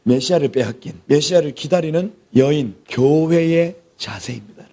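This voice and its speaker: A man's voice: fairly high pitch, animated, moderate pace, mellow. A middle-aged man, a pastor giving a sermon-style lecture, emphatic, repeating key words and dropping to near-whispers for emphasis. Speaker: pastor teaching a theology class.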